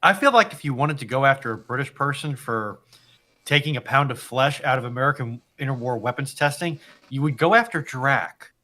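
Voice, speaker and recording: A man with a bright, forceful voice at a medium pitch joins an informal history panel. He argues his points by repeating and building on short phrases. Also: expressive, a little fast. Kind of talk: casual history discussion.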